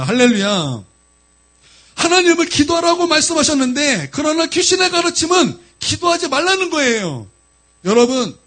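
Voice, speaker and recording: A man's voice: very high voice, fairly bright tone. A man preaching a sermon as a pastor, emphatic and often turning to the congregation directly.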